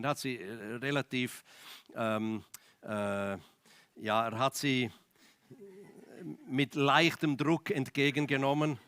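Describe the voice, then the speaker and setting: A man preaching in church, telling stories in an animated way with restarts. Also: mid-range voice, no echo. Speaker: guest preacher. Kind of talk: sermon with storytelling.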